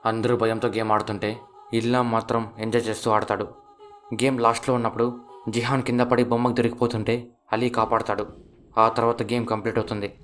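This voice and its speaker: Fast flat-voiced man with a Telugu accent. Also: mid-range voice. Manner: fast, flat, steady telling. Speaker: narrator explaining a series. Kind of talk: fast scripted plot narration.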